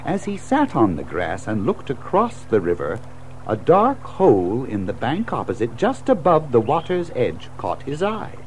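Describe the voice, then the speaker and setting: A man narrating a children's story in an expressive, theatrical scripted style, savoring lists and alliteration. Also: medium pitch, a little slow, slight background noise.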